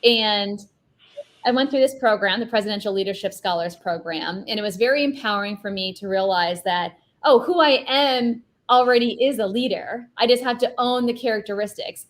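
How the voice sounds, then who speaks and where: A woman film director with a light, higher-pitched voice, speaking earnestly and reflectively as an interview guest. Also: normal speed. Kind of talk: conversational interview.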